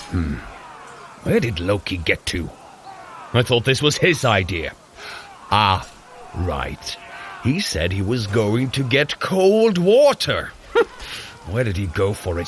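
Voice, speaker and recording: An actor playing a boisterous, cheerful Norse warrior god in an audio drama, with theatrical, grand old-fashioned phrasing. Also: male voice, mid-range voice, huge pitch swings, slow, pauses often, fairly bright tone, a little hiss or hum, heavily acted. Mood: grumbling, hearty.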